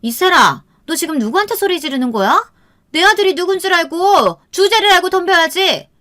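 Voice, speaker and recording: A woman's voice: high voice, normal speed, a bit bright, voice pushed up. A woman voicing a haughty, scornful younger sister-in-law who scolds sarcastically in an audio storybook. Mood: scornful scolding.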